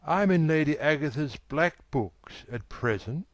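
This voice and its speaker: A man voicing a petulant, charming young gentleman who talks in a wilful, breathless rush. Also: a little high, lively intonation, dry recording, voice pushed up. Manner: wilful, quick, breathless pleading.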